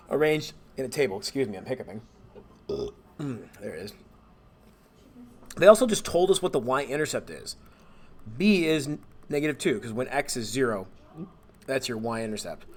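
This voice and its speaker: A man, a math teacher, relaxed and thinking aloud as he walks through homework problems and corrects himself along the way. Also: mid-range voice. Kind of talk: homework walkthrough screencast.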